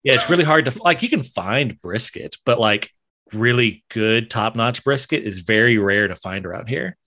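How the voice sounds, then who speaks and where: A man's voice: mid-range voice, lively intonation, moderate pace, sharp tone, no echo, studio quality. A man, from Alabama, hosting a casual interview podcast in a chatty way full of fillers. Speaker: podcast host.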